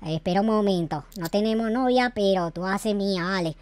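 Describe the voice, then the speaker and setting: A man voicing a pushy, menacing Venezuelan character in a game role-play, talking in a gruff, threatening way with a Venezuelan accent. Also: high voice, fairly quick, darkish tone, dry recording, pitched below the performer's own voice, close to an everyday voice. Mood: insistent.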